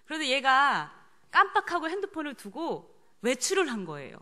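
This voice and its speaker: A woman's voice: high-pitched, huge pitch swings, normal speed, pushed and bright. A middle-aged woman preaching a sermon. She tells a personal story and asks the congregation questions.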